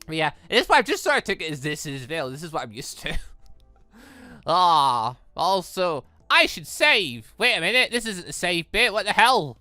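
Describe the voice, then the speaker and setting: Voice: mid-range voice, very animated, moderate pace, bright, forceful tone, no echo, soft background music. A gaming YouTuber giving casual, rambling and exclamatory commentary on a game. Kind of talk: casual game commentary with read-aloud dialogue.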